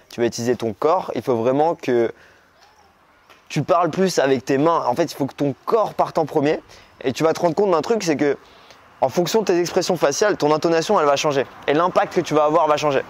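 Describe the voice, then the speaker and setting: A young man from Morocco giving a dating-coach video lesson, talking casually and expressively, speeding over filler words and slowing down to stress key points. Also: fairly high pitch. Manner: lively, expressive, speeds up and slows down for emphasis.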